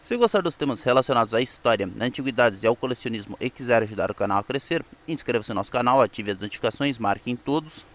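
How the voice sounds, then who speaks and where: A man's voice: medium pitch, animated, quick pace, hardly any pauses, a bit bright. A man with a Brazilian accent presenting in an explanatory, semi-scripted narration, with occasional stumbles. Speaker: presenter of a weekly history channel.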